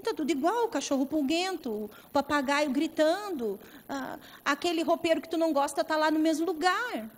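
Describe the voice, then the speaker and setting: A woman pastor preaching a sermon with impassioned, dramatic swings in loudness. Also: high voice, normal speed, hardly any pauses. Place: large convention center hall. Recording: reverberant convention hall.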